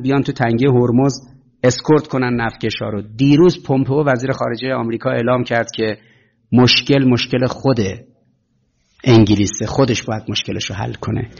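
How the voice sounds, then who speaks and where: A man's voice: mid-range voice, creaky. Emphatic man lecturing, lo-fi sound. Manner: emphatic, rhetorical questions, acts out quoted officials. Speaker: speaker addressing students. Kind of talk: impassioned political lecture. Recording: dull lo-fi recording.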